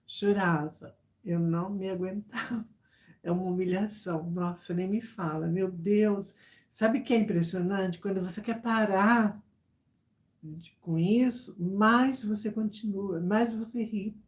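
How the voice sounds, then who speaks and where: A woman chatting casually with her viewers, telling a story in an animated way with many repeated phrases and asides. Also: mid-range voice, a little slow. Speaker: YouTuber chatting with subscribers.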